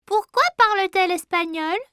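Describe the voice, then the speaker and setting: Little preschool boy, excitable, wide-eyed, bright piping voice, cartoon dub. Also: extremely high pitch, no room sound, clean studio sound. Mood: curious. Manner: childlike, wide-eyed, slow simple delivery.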